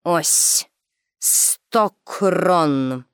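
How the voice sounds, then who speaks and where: A woman's voice: lowish voice, very slow, smooth, no room sound, studio quality, voice pushed down. A woman doing a furious hissing circus director. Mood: grudging. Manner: hissing and grudging.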